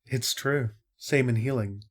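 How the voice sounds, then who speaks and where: Guy as kind healer angel, mid-pitched voice, calm and diplomatic, audio drama. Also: measured pace, lightly acted. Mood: calm, persuasive. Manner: reasonable, diplomatic.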